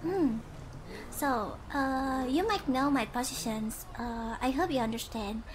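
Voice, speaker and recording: Young woman, from Indonesia, high voice, slow halting speech, giggles, game stream chat. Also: background noise. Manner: halting, searching for words, giggly. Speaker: virtual streamer. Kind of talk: casual chat while gaming.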